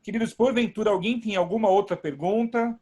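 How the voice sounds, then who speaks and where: Pastor guy talking from home, kinda high voice, really emphatic. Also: fairly quick, darkish tone. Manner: emphatic, repeats phrases, praises God. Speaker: pastor hosting an online service. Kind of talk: warm preaching talk.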